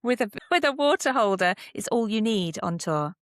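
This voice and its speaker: A British woman answering casually as a podcast guest, animated, candid and self-deprecating. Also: medium pitch, moderate pace, dry recording, studio quality. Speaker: guest, actor and writer.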